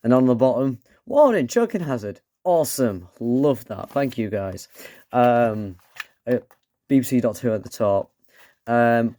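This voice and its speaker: Man, croaky from a cold, lowish voice, rambling casual review, dry sound. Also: mellow, no room sound. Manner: rambling, sarcastic asides. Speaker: toy reviewer.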